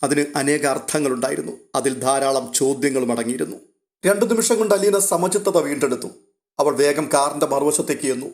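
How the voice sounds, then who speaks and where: A man reading a scripted, literary audio story in a measured, emotive way. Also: fairly high pitch, a little mellow.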